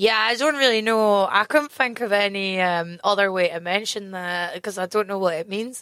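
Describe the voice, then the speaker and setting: Speaking at a moderate pace, a woman uses a medium pitch with ordinary variation and a bright, sharp tone. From Scotland, near Edinburgh. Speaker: stand-up comedian. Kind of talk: casual chat. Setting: video call.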